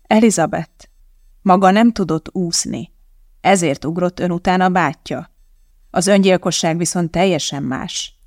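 An audiobook reader plays a troubled male scientist in a storybook reading, gentle and earnest, speaking in a gravelly, creaky tone. His voice sits in a middle register. The sound is dry and close to the mic. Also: medium pitch, no echo, natural voice. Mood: consoling.

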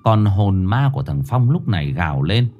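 A man narrating a ghost story in a dramatic manner, slowing down for suspense. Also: lowish voice, sing-song, phone-quality sound, soft background music.

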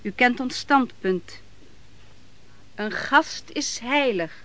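An actress playing a calm, reassuring hostess in a radio play, speaking formally and deliberately. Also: female voice, a little high, full character voice. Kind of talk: theatrical Dutch radio play acting.

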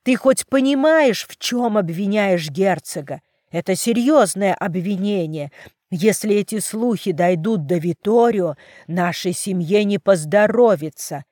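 A woman's voice: mid-range voice, animated, a little slow, darkish tone, no echo. A harsh, commanding middle-aged father, as read by a woman in a storybook. His voice stays at an ordinary middle height, his orders cold and angry. The recording is dry and close. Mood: stern, furious.

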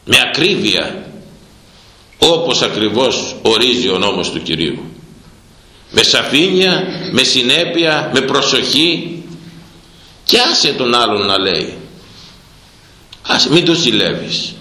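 Man, sermon, fiery preacher, repetitive, sudden loud outbursts, lively swinging pitch, echoey room. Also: long pauses. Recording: roomy echo.

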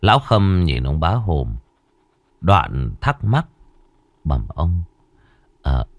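Deep-voiced male ghost story narrator. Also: very animated, no echo. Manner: measured, suspenseful storytelling.

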